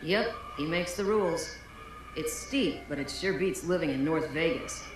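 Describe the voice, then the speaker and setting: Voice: medium pitch, normal speed, natural voice. A voice actor playing a friendly independent street vendor in a video game. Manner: friendly sales patter. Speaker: game character. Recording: game audio in a roomy space with music.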